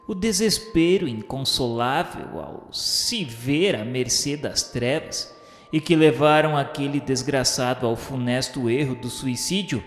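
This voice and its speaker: A man's voice: mid-range voice, natural voice. A man with a Brazilian accent playing the remorseful spirit of a blind suicide from the nineteenth century, confessing in solemn, grandiloquent literary monologue for a radio drama. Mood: tormented, remorseful. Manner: solemn, grandiloquent, slow declamation. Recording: echoey hall reverb, music underneath.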